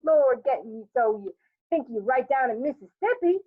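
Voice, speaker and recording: A woman voicing a squeaky, effusive neighbor woman who gossips in a folksy dialect and plays up every bit of news with melodrama. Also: expressive, normal speed, no room sound. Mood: gushing. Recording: dry, tinny phone-like sound.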